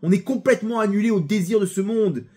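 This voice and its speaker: A young preacher leads a religious class in a high, lively voice. He tells stories and speaks right to his listeners with bursts of urgency. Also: fast talker, breathy edge. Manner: animated, storytelling, addresses listeners directly. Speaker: rabbi teacher. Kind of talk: sermon-style Torah class.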